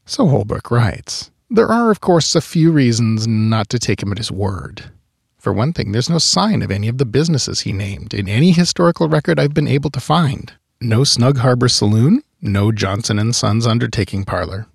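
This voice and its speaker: Guy reading a history story, wry dry jokes, voice swings up and down a lot, kinda raspy. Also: medium pitch, lively intonation, moderate pace, dry recording. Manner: wry, dry humorous asides. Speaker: history podcast host. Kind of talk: scripted historical narration.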